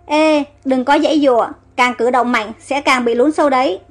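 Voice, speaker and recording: A woman's voice: high voice, steady tone, normal speed. A woman voicing a young male pharaoh who is affectionate and reassuring, in a storybook reading. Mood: soothing. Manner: tender, reassuring.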